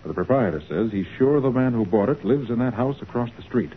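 A man playing a confident, authoritative private detective with an American accent in a brisk 1940s radio crime drama style. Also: medium pitch, animated, lightly acted. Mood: brisk, purposeful. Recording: scratchy, narrow-band 1940s radio recording.

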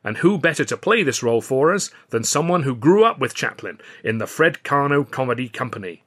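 A man's voice: medium pitch, sing-song, fairly quick, a bit bright. A man voicing a showy male film studio boss making a grand announcement in an audiobook. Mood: grand announcing. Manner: announcing, salesman-like build-up. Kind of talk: audiobook character voice.

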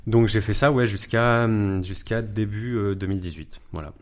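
Thirties man, deep voice; laid-back, hesitant interview guest. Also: moderate pace. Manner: relaxed, hesitant with many fillers. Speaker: guest, wedding videographer. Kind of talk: casual interview chat.

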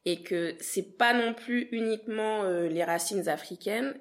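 A young woman from Guadeloupe talks through her answers in an interview. She sounds earnest and reflective, pausing and restarting as she searches for words, and her voice sits at an ordinary middle pitch. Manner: earnest, thoughtful, hesitant restarts. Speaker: podcast creator, interview guest.

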